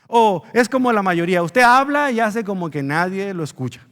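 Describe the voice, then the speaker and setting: A man's voice: sits high, lively intonation, normal speed, a bit bright, in a large hall. A man preaching a sermon as pastor, earnest, pressing his key words with rising emphasis, speaking to his congregation in a church.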